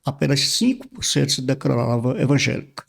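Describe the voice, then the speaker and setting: An older pastor from Brazil, recounting his past in a relaxed podcast conversation. His voice has a gravelly edge at middle pitch, and he often stops to repeat a word before going on. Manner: halting, repeats words while recalling. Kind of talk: casual interview storytelling.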